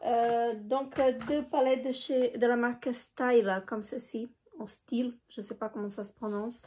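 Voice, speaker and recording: A woman chatting casually in a show-and-tell vlog, hesitant with many filler pauses. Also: fairly high pitch, steady tone, a little mellow, slight background noise. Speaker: beauty vlogger.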